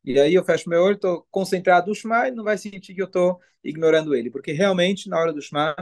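A man, a rabbi, giving a casual religious lesson, explaining rules in a relaxed, conversational way with humorous asides. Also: high-pitched, quick pace.

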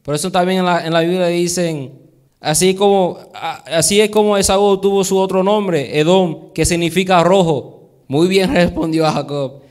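A man preaching a sermon, lively, quizzing his congregation and dropping in English phrases. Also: high voice, normal speed, clean tone. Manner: lively, asks the congregation questions.

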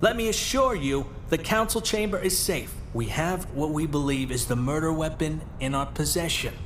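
Man playing a firm, high-pitched, sardonic police commissioner. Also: reverberant, noisy background, natural voice. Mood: firm, official. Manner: authoritative, blunt, measured. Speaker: actor in an audio drama. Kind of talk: 1940s pulp radio drama acting.

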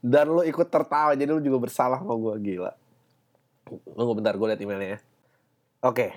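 A man's voice: mid-range voice, fairly even intonation, brisk, a little mellow. A man hosting a solo podcast, talking in a rambling, slangy, profane way with lots of fillers. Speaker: podcast host. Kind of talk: casual solo podcast monologue.

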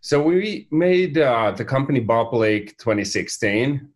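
Finnish-accented man, halting. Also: mid-range voice, animated. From Finland. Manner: halting, many fillers and restarts. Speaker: company founder, guest. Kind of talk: casual interview talk.

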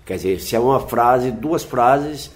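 A man's voice: mid-range voice, animated, measured pace. A man, a folk singer-poet, speaking in a reflective interview and explaining things patiently with frequent tag questions.

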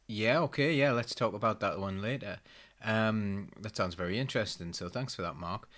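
A man's voice: on the low side, normal speed, a bit bright. A man hosting a live talk show in a casual, rambling, self-deprecating way. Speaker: host.

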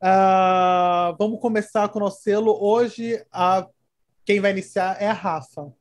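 A woman's voice: mid-range voice, fairly even intonation, measured pace, no echo. Playful woman podcast host, dry sound. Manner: playful, joking, leads the segments. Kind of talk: casual chat.

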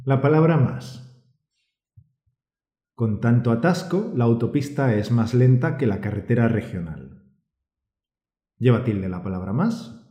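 A man co-hosting a scripted teaching podcast. He explains calmly and encourages the listener. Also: mid-range voice, a little slow, long pauses. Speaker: podcast co-host and Spanish teacher. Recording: roomy echo.

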